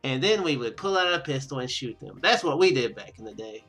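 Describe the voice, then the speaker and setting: A man's voice: mid-range voice, expressive, a little fast, fairly bright tone, faint music behind. A man voicing a pompous, indignant, old-fashioned parent from a visual novel game, with emphatic delivery. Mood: pompous indignation.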